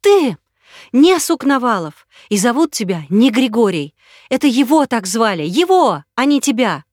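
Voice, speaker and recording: Woman voicing a frightened young woman, shrill, loud, sobbing, hostile, dry close sound. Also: very animated, moderate pace, no room sound. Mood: hysterical. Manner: shrill, sobbing, screaming accusations.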